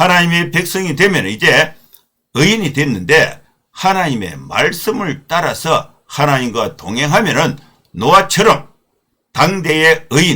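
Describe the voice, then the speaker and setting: This man speaks very slowly with lively intonation and a fairly high pitch. His tone is bright and sharp, with vocal fry. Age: 60s. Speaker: pastor. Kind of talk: sermon.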